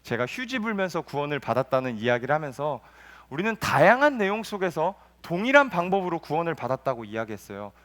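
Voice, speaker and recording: A man, a junior pastor, preaching a sermon at a youth service in church in a lively storytelling manner, asking the congregation questions. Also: on the high side, fast, long reverb tail.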